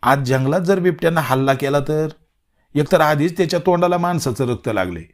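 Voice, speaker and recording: A man's voice: fairly high pitch, expressive, fairly quick, pitched above the performer's own voice, lightly acted. A man voicing a cautious village man with a rural Marathi dialect, firmly insisting they turn back. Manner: insistent, firm.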